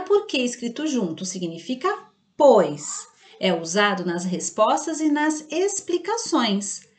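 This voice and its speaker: A Brazilian Portuguese-speaking woman teacher giving a slow, patient online grammar lesson to children, often checking in with the class. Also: fairly high pitch. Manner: patient, slow and didactic, checking in with "tá bom?" and "certo?". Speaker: primary school teacher.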